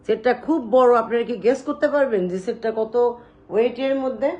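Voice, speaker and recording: A woman hosting a live sales stream, showing jewelry and talking loudly and chattily to her viewers. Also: on the high side, brisk, dull audio. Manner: loud, chatty, addresses viewers directly.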